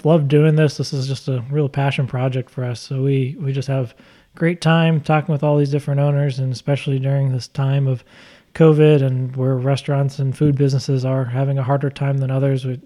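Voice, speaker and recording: A man's voice: medium pitch, mellow. A man co-hosting a local food podcast, rambling a bit with lots of "you know" as he talks. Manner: rambling, many fillers and restarts. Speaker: podcast co-host. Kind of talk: casual podcast chat.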